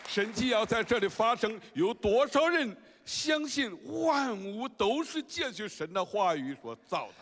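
A man preaching a sermon slowly and deliberately, in short phrases for an interpreter. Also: very high-pitched, very animated, a bit bright. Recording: echoey hall with faint crowd and noise.

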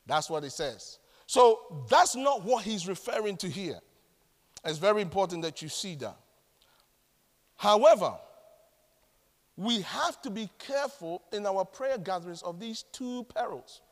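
A man with a Ghanaian accent preaching a sermon in a dramatic, animated way. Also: high-pitched, measured pace, in a large hall. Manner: dramatic, animated, mimics other pray-ers.

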